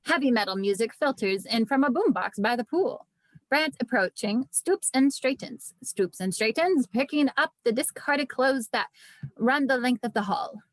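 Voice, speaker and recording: A woman's voice: on the high side, expressive, moderate pace, dry recording, rough recording. A woman narrating screenplay stage directions in a virtual table read.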